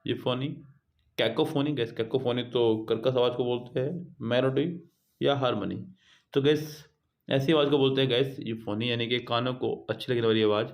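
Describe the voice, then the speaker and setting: A man teaching an exam prep lesson. He reads each English question out slowly, then explains it in Hindi, addressing his students as guys and children. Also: mid-range voice, steady tone.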